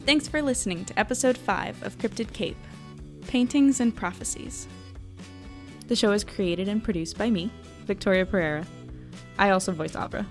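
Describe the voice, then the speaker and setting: Podcast outro: woman creator, medium pitch, scripted credit read, faint music bed underneath. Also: normal speed. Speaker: show creator reading credits. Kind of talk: scripted narration.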